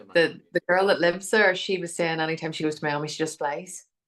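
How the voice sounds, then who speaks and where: A woman with a Northern Irish accent speaks at a moderate pace in a fairly low pitch. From Northern Ireland. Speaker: mortgage office manager and social media influencer. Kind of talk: interview answer. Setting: remote call.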